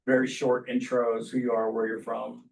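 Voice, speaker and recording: A man's voice: medium pitch, monotone, moderate pace, vocal fry, distant mic, a little hiss or hum, rough recording. A man hosting a roundtable, giving loose, conversational welcoming remarks with many fillers. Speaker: host and executive director. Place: meeting room around a table.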